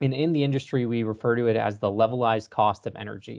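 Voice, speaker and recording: With an American accent, a man has an unremarkable speaking voice at medium pitch and moves at a fairly quick pace. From Texas. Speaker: venture capital investor. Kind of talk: podcast interview.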